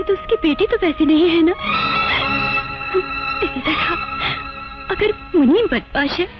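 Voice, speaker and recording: A young woman who pleads with her brother and defies him over whom she will marry. Her voice is very high, heard on a dull old film soundtrack with loud music behind it. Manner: pleading, defiant, tearful. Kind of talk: 1980s film drama acting.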